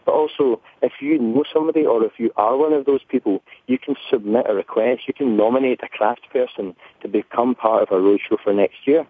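A man's voice: mid-range voice, a little fast, few pauses, breathy edge, no room sound. A man with a broad Scottish accent, talking earnestly as a guest in a conversational radio interview. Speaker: interview guest, brand representative. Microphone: telephone. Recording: narrow, tinny phone line.

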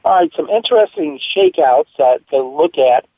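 Slightly hoarse man on a tinny phone line. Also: fairly high pitch, lively intonation, dry recording. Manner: halting, full of uh fillers, enthusiastic about winners. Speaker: radio show host. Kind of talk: horse racing talk radio. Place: at home on a farm.

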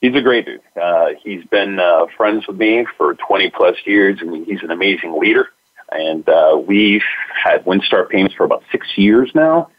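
A man from Florida, a sales executive answering interview questions in a relaxed, conversational way. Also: sits low, moderate pace, phone-quality sound. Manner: relaxed, conversational, many fillers.

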